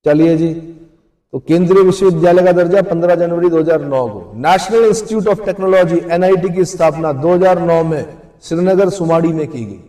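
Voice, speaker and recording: A man's voice: a little high, warm tone, reverberant. A man teaching an exam coaching lecture, who asks questions and then answers them himself.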